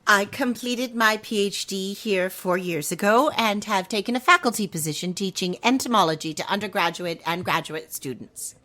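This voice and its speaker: A woman's voice: medium pitch, moderate pace, few pauses, sharp tone, lightly acted. An actress playing a flustered female entomology professor being interviewed. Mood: precise. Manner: flustered, then precise and formal.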